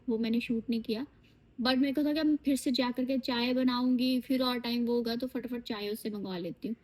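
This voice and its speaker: A tired woman chats away in a high, bright voice as she vlogs from a TV set. She talks straight to her viewers, casual and animated, while sounding sleepy. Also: rough recording. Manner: chatty, animated, addresses viewers as lovelies. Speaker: vlogger and TV actress. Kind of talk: casual chatty vlog. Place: on a TV shoot location, in and out of doors.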